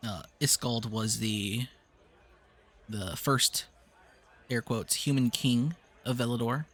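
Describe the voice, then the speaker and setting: A man narrating lore as game master of a tabletop game, explaining history in a measured way. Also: medium pitch, a bit bright.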